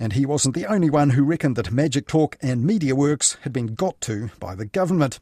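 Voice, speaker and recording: Speaking with a New Zealand accent, a man talks at a fairly quick pace with hardly any pauses, a fairly high pitch and lively intonation, in a dry, close sound with no echo. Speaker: media commentary show presenter. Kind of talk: scripted narration.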